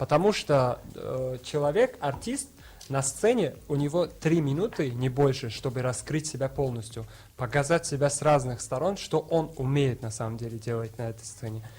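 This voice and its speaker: A man's fairly high, somewhat breathy voice carries ordinary pitch variation. The recording is very clean, with a silent background. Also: moderate pace. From Tajikistan. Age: young. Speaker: singer. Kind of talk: radio interview. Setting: radio studio. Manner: hesitant, many fillers.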